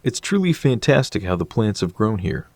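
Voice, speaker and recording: Low-voiced man narrating, dry sound. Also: sing-song, moderate pace, gravelly, a little mellow, slightly rough, dry recording. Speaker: host and narrator of an urban exploration series. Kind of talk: scripted documentary narration.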